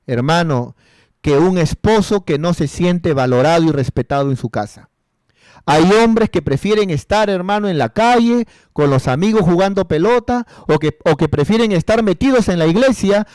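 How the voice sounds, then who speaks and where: A man's voice: fairly high pitch, darkish tone, no echo, clean studio sound. A male pastor giving a counseling sermon, repeating rhetorical questions and calling his listeners brother and sister.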